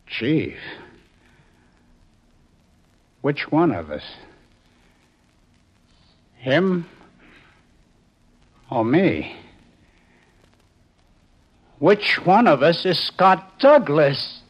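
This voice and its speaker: An actor playing a hard, overbearing, tense adventurer with curt commands and dramatic pauses, in 1950s radio melodrama style. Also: male voice, on the high side, big pitch swings, breathy edge, full character voice. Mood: desperate. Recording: dull lo-fi 1950s radio recording.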